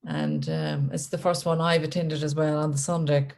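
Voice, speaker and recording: A woman's voice: low voice, very animated, normal speed, a little mellow. A woman with a west of Ireland accent chatting casually and a little hesitantly on a video call. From Galway, west of Ireland. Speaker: meditation attendee. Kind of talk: casual chat.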